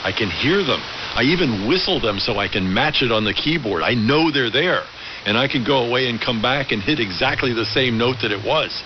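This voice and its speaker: A man's voice: medium pitch, animated, brisk, highs cut off. An articulate middle-aged man who talks in long, reflective, conversational transmissions as an amateur radio operator on AM. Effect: AM ham radio transmission. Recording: band-limited AM radio with loud hiss. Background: radio hiss.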